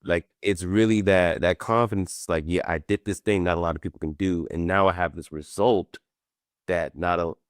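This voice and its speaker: A man hosting a casual interview, talking in a relaxed conversational way with many fillers. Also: deep voice, moderate pace, no echo, clean studio sound. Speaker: host.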